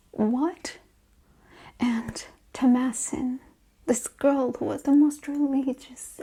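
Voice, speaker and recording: A woman from Russia speaking softly as an ASMR host in a sassy, emphatic rant, her breathy voice often slipping into a whisper. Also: sits high. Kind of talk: softly spoken ASMR chit-chat film rant.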